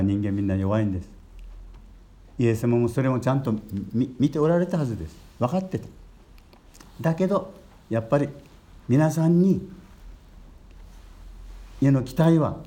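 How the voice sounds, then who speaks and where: An older man, a Catholic priest giving a gentle storytelling sermon and lifting his voice on key words. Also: mid-range voice, animated, moderate pace, long pauses.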